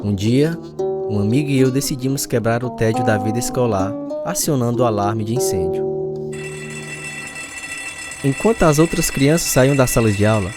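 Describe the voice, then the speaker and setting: A man's voice: medium pitch, moderate pace, long pauses, music in the background, close to an everyday voice. A man with a Brazilian accent playing a reflective older man telling his life story in a radio drama. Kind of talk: first-person scripted radio narration.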